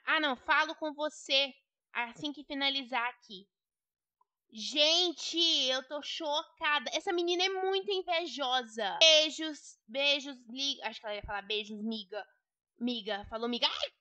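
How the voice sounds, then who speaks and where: A woman's voice: high voice, sharp tone, dry recording. A young woman with a Brazilian Portuguese accent giving gossipy, indignant role-play commentary on a game to her viewers. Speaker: Roblox gamer.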